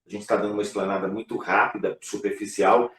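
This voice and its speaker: Man, pastor, low voice, relaxed chatty delivery, roomy echo, distant from the mic. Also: quick pace. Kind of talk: casual church live talk. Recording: echoey room, voice from afar.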